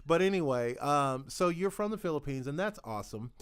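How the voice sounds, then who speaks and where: A man's voice: a little high, expressive, a little fast, smooth. A man hosting a talk show, asking questions in a rambling, jokey way. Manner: jokey, rambling, wide-swinging intonation. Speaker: podcast host. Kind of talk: casual interview chat. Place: podcast studio.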